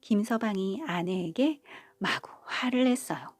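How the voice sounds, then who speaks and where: A woman reading a bedtime folk tale in a gentle, motherly storytelling manner. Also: medium pitch, lively intonation, a little slow, dry recording. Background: faint background music.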